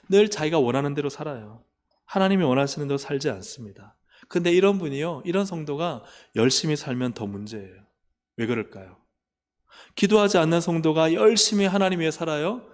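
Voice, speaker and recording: Korean pastor preaching in a reverberant church. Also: male voice, medium pitch. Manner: rhetorical questions to the congregation, acts out complaining prayers in a raised voice. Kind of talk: sermon. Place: church sanctuary. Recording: long reverb of a church hall.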